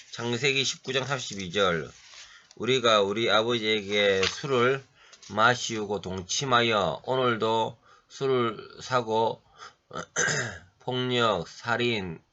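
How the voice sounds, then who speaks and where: A man preaching a halting lecture-style sermon while he has a cold, often clearing his throat and pausing on fillers. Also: fairly low pitch, pushed and bright, a little hiss or hum. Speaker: pastor. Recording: dull lo-fi recording.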